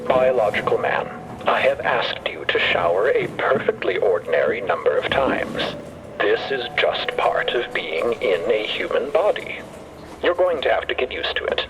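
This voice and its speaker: A man voicing a fussy, caretaking mechanical man in audio fiction, speaking haltingly and carefully as he gently instructs. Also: on the low side, big pitch swings, slight background noise, low-quality recording. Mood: patient, wry. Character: fussy, caretaking mechanical man in a bellows-chested robot body. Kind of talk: scripted audio fiction dialogue.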